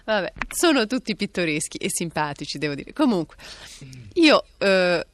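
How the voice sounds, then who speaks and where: A woman's voice: lowish voice, very animated, moderate pace, slight background noise. A woman presenting a radio feature conversationally, with chatty, reflective asides. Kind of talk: conversational documentary narration and interview. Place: recording studio.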